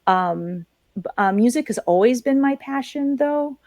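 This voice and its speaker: A woman's voice: on the high side, expressive, a little slow, darkish tone, dry recording. A woman teaching ukulele chords and chatting casually, explaining things plainly and patiently. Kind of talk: casual music lesson and chat.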